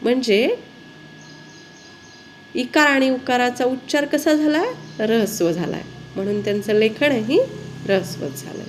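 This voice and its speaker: A woman teacher, giving a spelling lesson slowly and often asking her pupils questions. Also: on the high side, slight background noise.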